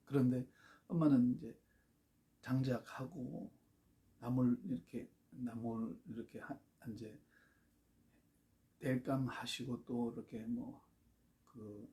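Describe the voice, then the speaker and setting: A man with a Gyeongsang accent telling a childhood story, halting and full of fillers. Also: medium pitch, warm tone. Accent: Gyeongsang Korean. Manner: halting, with many fillers and restarts. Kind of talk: personal storytelling.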